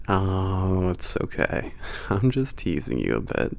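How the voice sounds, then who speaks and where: Casting: male actor as a sardonic werewolf spaceport trainer for ASMR roleplay, very creaky voice, unhurried, casual bantering delivery. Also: low voice, a little mellow, exaggerated voice. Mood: playful banter. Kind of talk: ASMR roleplay, naturalistic one-sided conversation.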